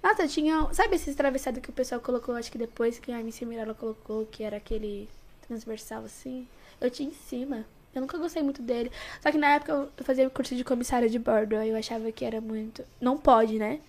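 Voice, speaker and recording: A woman's voice: fairly high pitch, quick pace. A young Brazilian woman with a São Paulo accent and a small, cartoon-like cute voice, chatting casually in streetwise slang as an interview guest. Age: young adult. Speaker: interview guest, social media personality.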